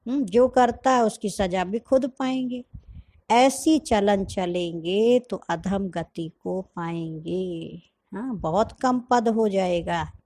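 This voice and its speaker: A woman giving a gentle spiritual sermon, quoting her teacher's words and explaining them. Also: mid-range voice. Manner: gentle, explanatory, quotes the teacher then comments. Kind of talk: sermon explaining a scripture reading.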